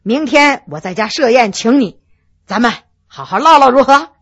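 A genial gentleman official, chatting in a relaxed, good-humoured way, as a woman storyteller voices him. The voice is pitched down from the reader's own, with a husky breath in it. He sounds friendly and at ease. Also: normal speed. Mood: jovial. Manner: jovial, easy-going. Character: genial male official, cheerful and generous.

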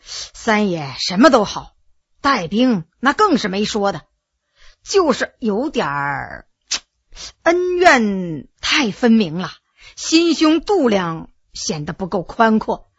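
Shrewd elderly official, quiet lowered voice, measured advice, a woman acting him in a storybook reading with a husky edge. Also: very animated, no room sound, dull audio, heavily acted. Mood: earnest. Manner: measured, advising. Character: elderly stroke-stricken Qing official, shrewd and frank.

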